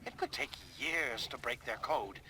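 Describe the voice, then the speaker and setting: A man's voice: mid-range voice, a little slow, lightly acted. Pedantic inventor played by a man, noisy background. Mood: measured, analytical. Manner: wordy, formal, exact. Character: pedantic male inventor scientist, precise and reserved. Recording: clear background noise.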